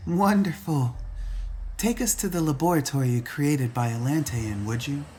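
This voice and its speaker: Man putting on a higher-pitched, curious woman scientist. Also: moderate pace, dark tone, a little hiss or hum, lightly acted.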